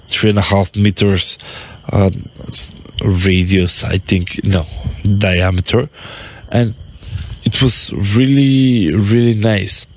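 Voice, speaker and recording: A man with a fairly low voice talks on his rooftop in an easy, rambling way. His English is loose and he restarts words often as he thinks aloud. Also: a little mellow. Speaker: podcast host and business owner. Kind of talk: casual talk to camera. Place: on his apartment rooftop, outdoors.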